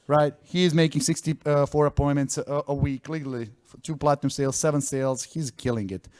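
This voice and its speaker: A man's voice: a little high, fairly even intonation, a little fast, a little mellow. A man presenting at a founder event, talking energetically in non-native English phrasing and acting out quotes. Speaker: startup founder presenting to an audience. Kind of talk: conference stage talk. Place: event stage.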